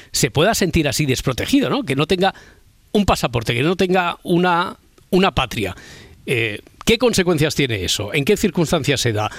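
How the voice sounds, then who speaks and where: Brief: male radio host from Spain, eager chat, slightly high voice, dry close studio sound. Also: a bit bright, no room sound. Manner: chatty, repeats words, eager. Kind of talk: late-night radio talk.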